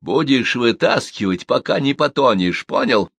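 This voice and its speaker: A man playing a strong young village man who gives rough, commanding shouts. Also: medium pitch, sing-song, moderate pace, no echo, pitched above the performer's own voice, heavily acted. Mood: gruff command.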